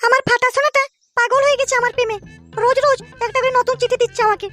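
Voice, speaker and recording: A man voicing a lovestruck, sneaky young girl in a comedy cartoon, gushing in a squeaky voice. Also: fairly even intonation, rapid-fire, bright, forceful tone. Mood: giddy, secretive. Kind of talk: Bengali comedy cartoon dubbing. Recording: music behind the voice.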